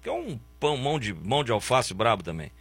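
Man, sports talk host, blunt sarcastic rant, husky bright voice, very animated pitch. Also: fast, no room sound. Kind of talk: opinionated football commentary.

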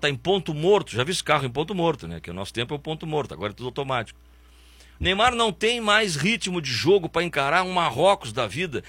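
A man's voice: a little high, sharp tone, no room sound. A man, hosting a football talk show and ranting bluntly and sarcastically about the national team. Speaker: sports commentary host. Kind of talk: opinionated football commentary.

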